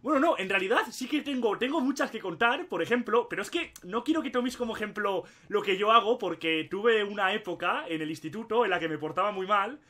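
A young man from Spain with a Spain Spanish accent, telling stories in excitable, slangy casual gaming commentary. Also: high voice, brisk, hardly any pauses. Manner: excitable storyteller, laughs often, slangy. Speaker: gaming YouTuber.

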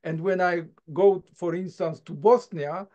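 A man from southern Poland, giving an academic lecture over a video call. He talks in a halting, thoughtful way, with many filler sounds and tag questions. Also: sits high, a little mellow. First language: Silesian. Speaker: guest lecturer. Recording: dull lo-fi video call audio.

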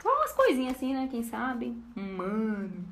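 Animated young woman with a Cearense accent. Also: a little high, a little slow, music in the background. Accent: Cearense Brazilian Portuguese. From Ceará, Brazil. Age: 20s. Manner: animated, talks with her hands. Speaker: vlogger. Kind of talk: casual chat to camera. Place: bedroom studio with clothes rack.

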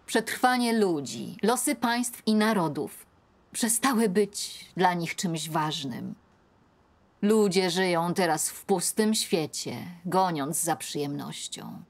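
A middle-aged woman in a dubbed film, reading a religious text aloud at a home table in a slow, earnest way. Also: fairly low pitch, animated, exaggerated voice. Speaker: older woman leading a scripture reading.

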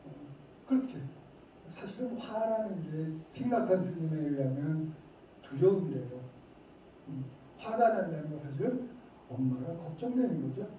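A middle-aged man lectures a room of parents with animated energy and acts out scolding lines. His voice sits a little high and soft-toned, caught from far off in a reverberant hall. The sound is dull, with a faint hiss behind it. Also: moderate pace. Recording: echoey hall, distant mic, dull faint noise.

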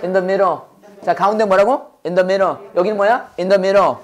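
A brisk classroom drill is run by a hoarse English teacher who repeats every prompt and gets the class to echo it back. The pitch is medium and the intonation fairly even.

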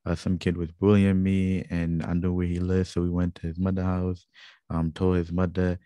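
A man's voice: low-pitched, completely flat delivery, moderate pace, mellow, clear, resonant tone, dry recording. A young man from Guyana with a Guyanese accent, earnestly recounting his own experiences as host of a vlog, with many fillers and restarts. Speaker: channel host. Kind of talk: personal testimony vlog.

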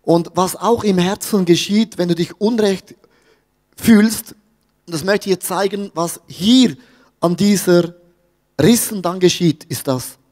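A man's voice: high voice, unhurried, a little mellow, long reverb tail. A man with a Swiss German accent preaching a sermon, telling a story with jokes and asides to his audience. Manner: storytelling, jokey, talks to the audience. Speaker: pastor.

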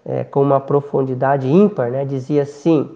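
A man giving a spiritist lecture, speaking slowly and reflectively, with frequent hesitant fillers between phrases. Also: mid-range voice, fairly even intonation, vocal fry, mellow, dull audio.

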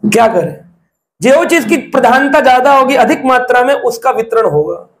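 Speaking at normal speed in an echoey room, this preacher has a very high-pitched and expressive voice. His devotional discourse is built on storytelling and rhetorical questions aimed at the listeners.

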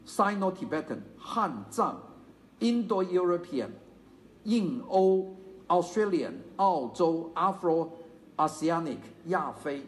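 An older man with a Chaozhou-tinged Mandarin accent giving a university lecture, animated and digressive, with many fillers and asides. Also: high voice, slow pace. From China.

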